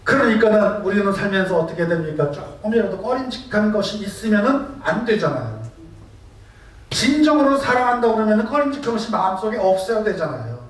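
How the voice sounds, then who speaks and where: A man's voice: sits high, sing-song, fairly quick. A male pastor preaching a sermon, firing rhetorical questions at the congregation and telling stories with animation. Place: church sanctuary. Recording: echoey church hall, distant mic.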